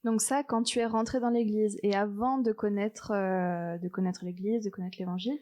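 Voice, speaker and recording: A woman's voice: medium pitch, steady tone, moderate pace, mellow. A woman hosting a podcast, introducing and questioning her guests in a conversational interview style. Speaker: podcast host.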